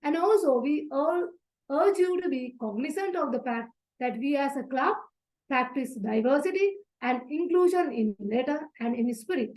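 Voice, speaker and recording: A woman with a high, light voice reads out meeting rules in a formal, measured way. She speaks over a video call and sounds prepared and orderly. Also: lively intonation, darkish tone, poor audio. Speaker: sergeant at arms of a speaking club meeting. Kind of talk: formal meeting opening, read announcements.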